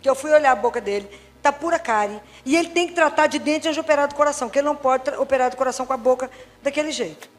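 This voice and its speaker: A Catholic doctor giving a faith talk, telling anecdotes and acting out dialogues with wry humor. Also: female voice, sits high, rapid-fire, in a large hall. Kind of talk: preaching talk with lively anecdotes.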